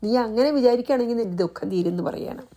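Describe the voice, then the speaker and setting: A woman's voice: fairly high pitch, mellow. A woman giving a devotional scripture commentary, patiently explaining point by point with repeated rhetorical questions. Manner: breaks into slow chanted Sanskrit verses. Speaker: scripture teacher.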